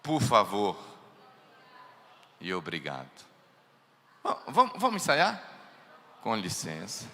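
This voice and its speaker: A man preaching a sermon as pastor, animated, mimicking family members in quoted voices and putting questions to the congregation. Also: lowish voice, takes it slowly, long pauses. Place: church hall. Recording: long echoing church hall.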